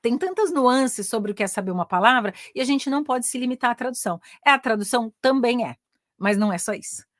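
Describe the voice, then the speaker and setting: Speaking quickly and animatedly in a slightly high voice, a middle-aged Brazilian woman with a Brazilian Portuguese accent gives a casual online lesson as an English teacher and career mentor. She's chatty, often tags sentences with "né?", and eagerly pushes her points. The clean studio recording has no room sound.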